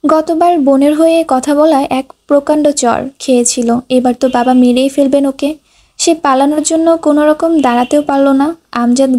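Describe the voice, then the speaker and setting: A woman's voice: high voice, dark tone. A woman reading a romantic drama as scripted audiobook narration, voicing every character's lines in her own voice.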